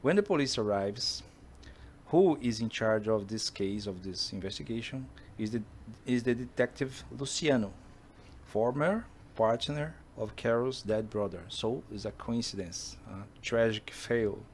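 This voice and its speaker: Slow Brazilian-accented man pitching a story. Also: a little mellow, a little hiss or hum. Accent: Brazilian Portuguese. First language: Portuguese. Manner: slow, halting, searching for English words. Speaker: author pitching his own stories. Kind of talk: casual monologue to camera.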